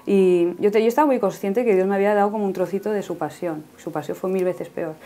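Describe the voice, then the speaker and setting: A woman's voice: medium pitch, fast, mellow. A woman in her thirties telling her personal faith story in earnest conversation. She often ends phrases with a questioning "no?". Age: 30s. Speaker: guest giving a faith testimony.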